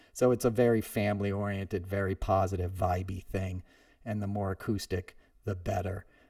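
At a moderate pace, a man speaks in a somewhat breathy, fairly low voice with a dark, mellow tone and fairly even intonation. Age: 50s. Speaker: podcast host and comedian. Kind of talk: casual monologue.

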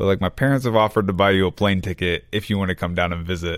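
A man's fairly low voice with an American accent, very fast and with fairly even intonation. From US South (Memphis, Tennessee). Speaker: church member sharing testimony. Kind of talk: testimony.

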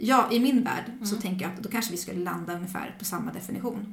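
Amid audible room echo and noticeable background noise, a woman talks at a fairly quick pace with a medium pitch and fairly even intonation. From Sweden, childhood in Liberia. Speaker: pastor. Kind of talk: casual chat. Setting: home kitchen.

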